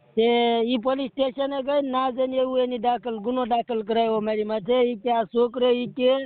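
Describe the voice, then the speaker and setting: A man speaks with an extremely high pitch. His intonation is flat and monotone, and his loudness stays very even. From Saurashtra, Gujarat (Bhavnagar district). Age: 20s. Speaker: caller seeking advice. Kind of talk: phone call-in conversation. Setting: phone call.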